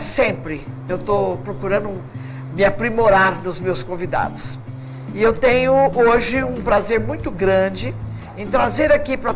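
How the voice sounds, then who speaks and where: A man's voice: high voice, poor audio. A man, hosting a TV studio interview in an effusive, complimentary, chatty way. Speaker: TV talk show host. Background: music.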